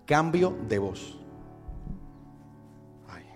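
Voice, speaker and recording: Pastor guy preaching, pretty high voice, keeps asking the church questions, light music under it. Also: big pitch swings, extremely slow. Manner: preaches with repeated rhetorical questions to the congregation. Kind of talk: sermon.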